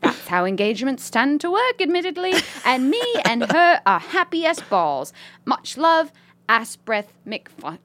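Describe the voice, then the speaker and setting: A woman's voice: high voice, sing-song, measured pace, a bit bright, dry recording. A woman co-hosting a podcast in a casual chat, reading a listener letter aloud and laughing often. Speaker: podcast host.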